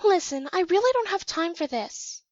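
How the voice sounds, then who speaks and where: A very high, slightly muffled young woman's voice, performed by an actress for an audio drama. She is an impatient clone, curt and defiant, with a threatening edge. The recording is dull and lo-fi. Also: animated, moderate pace. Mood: cold, defiant.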